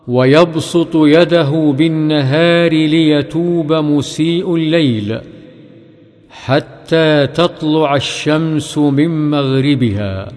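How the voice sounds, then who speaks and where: A man reciting hadith in a slow, melodic chanted delivery. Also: on the high side, a little mellow, in a large hall.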